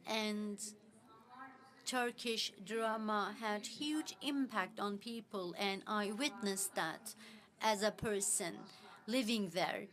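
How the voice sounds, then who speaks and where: A woman giving a simultaneous interpretation of a panel talk in a measured, halting way, with frequent filler words. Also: mid-range voice, a bit bright.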